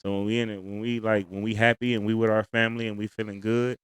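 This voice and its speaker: A man's voice: on the low side, flat delivery, quick pace, smooth, no echo, rough recording. A man with an African American accent talking casually and emphatically on a podcast as a comedian guest, using plenty of slang.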